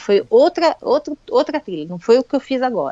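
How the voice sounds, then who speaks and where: A woman speaks at a moderate pace. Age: 50s. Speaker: long-distance hiker. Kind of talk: interview about her adventure. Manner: halting with repetitions.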